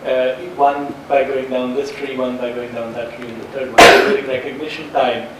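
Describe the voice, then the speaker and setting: A man's voice: mid-range voice, level tone, moderate pace. A man asking a technical question from the audience, methodically restating things to clarify. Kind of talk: technical discussion from the floor. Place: room, speaking from audience away from mic. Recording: very echoey, distant, loud background noise.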